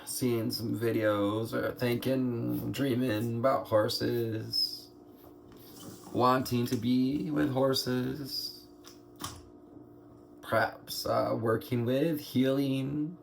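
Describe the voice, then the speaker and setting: A man with a scratchy, hoarse throat gives an unhurried spiritual card reading, musing aloud through pauses. His voice is gravelly and sits at a middling pitch. Faint noise hums behind him. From United States. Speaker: tarot reader.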